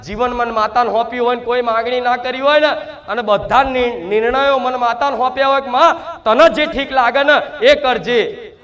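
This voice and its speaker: A man's voice: extremely high pitch, normal speed, fairly bright tone. A man delivers a devotional sermon in the first person as the mother goddess. He preaches earnestly and keeps asking rhetorical questions.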